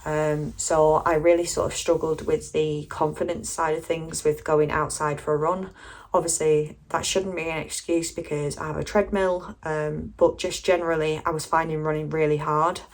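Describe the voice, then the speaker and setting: Low-pitched British woman, casual vlog chat. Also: flat delivery, moderate pace. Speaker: running vlogger.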